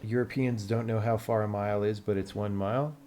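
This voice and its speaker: A man's voice: on the low side, fairly even intonation, a little fast, mellow, slight background noise. An American man talking casually on a livestream as a game developer, blunt and sweary, thinking aloud as he explains things to viewers.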